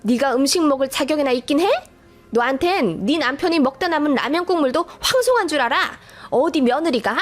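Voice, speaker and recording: A woman's voice: sits high, lively intonation, moderate pace. A woman voicing a harsh, scornful older mother-in-law who scolds sharply. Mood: scolding.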